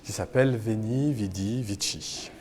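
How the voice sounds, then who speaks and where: A man's voice: lowish voice, a little slow, darkish tone, faint music behind. A man being interviewed about his documentary, talking hesitantly with many fillers. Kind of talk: interview answers.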